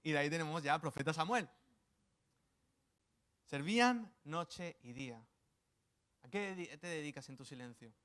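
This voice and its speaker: Man, pastor, from Spain, sermon, animated, slightly high voice. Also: normal speed, long pauses. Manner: animated, playful asides with acted quotes.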